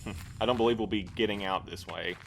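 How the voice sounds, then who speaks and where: Man acting a low-voiced, prim, formal boss. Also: fairly even intonation, fast talker, creaky, background noise. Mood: uneasy. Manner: formal, precise, pedantic. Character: prim, formal male boss, rule-minded and reserved. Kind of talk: audio drama dialogue.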